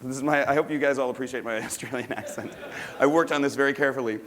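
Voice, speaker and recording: Male coach, mid pitch, loose self-correcting delivery, long hall reverb. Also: steady tone, very fast, a bit bright. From Canada. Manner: rambling, self-correcting, casual. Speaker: dating coach. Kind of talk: teaching with a personal anecdote.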